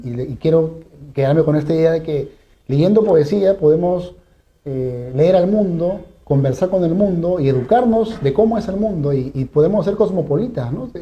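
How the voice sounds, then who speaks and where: Male host, fairly high voice, dull lo-fi sound, thoughtful, drawn-out questions. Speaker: interview host. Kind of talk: interview conversation. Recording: dull lo-fi audio.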